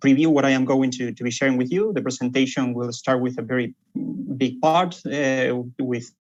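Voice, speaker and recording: A man with a Spanish accent, medium pitch and ordinary pitch variation. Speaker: symposium speaker. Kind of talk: conference presentation. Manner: halting, many repetitions and fillers.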